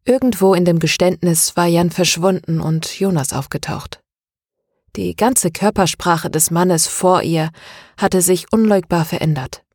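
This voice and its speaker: A woman narrating a novel as an audiobook, in a steady, even reading voice. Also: on the low side, measured pace, husky, no room sound, clean studio sound. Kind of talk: scripted narration.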